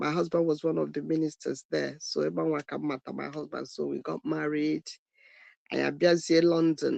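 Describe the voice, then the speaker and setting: A woman speaks in a Nigerian accent. She keeps a moderate pace. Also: dry, close sound with no echo. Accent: Nigerian Igbo English. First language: Igbo. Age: 60s. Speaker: evangelist. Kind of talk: talk show interview.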